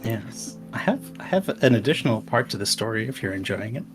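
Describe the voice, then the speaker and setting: A man playing a tabletop game, telling an ominous story in character with a slow, dramatic delivery. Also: on the low side, big pitch swings, music in the background. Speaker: player.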